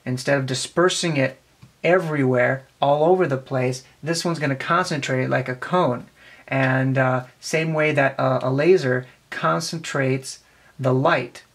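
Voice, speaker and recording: A man in his twenties giving a casual hands-on explanation, a bit halting as he thinks aloud, recorded on a camera mic in a small office. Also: medium pitch, steady tone, a bit bright. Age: 20s. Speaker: presenter of a tech demonstration. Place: small cluttered office indoors. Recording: clear background noise, clicks of handling.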